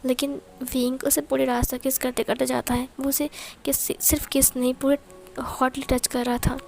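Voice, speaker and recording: A woman's voice: high-pitched, flat delivery, normal speed, vocal fry, darkish tone, faint music behind. A woman casually retelling a romance story in a chatty, explaining way, like a storyteller. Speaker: story narrator.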